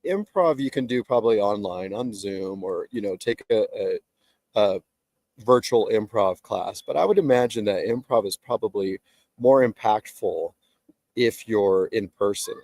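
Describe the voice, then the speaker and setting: A man's voice: on the low side, a little slow, no room sound. Stuffed-up nasal man hosting an interview. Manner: relaxed, conversational questions. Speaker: host. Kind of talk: interview, casual chat. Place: outdoors. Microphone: video call.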